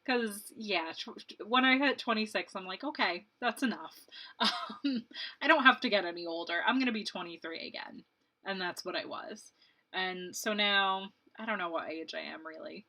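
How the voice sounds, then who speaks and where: A woman's voice: mid-range voice, normal speed, sharp tone. A woman in her late twenties, a beauty vlogger chatting casually and rambling while she does her makeup, laughing often. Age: 20s.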